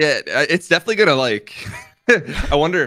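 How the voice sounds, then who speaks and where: Very fast speech with a slight Minnesota accent, lively intonation, and a bright, sharp tone. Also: man. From US Midwest, rural Iowa. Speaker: Madden YouTuber and content creator. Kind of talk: casual interview.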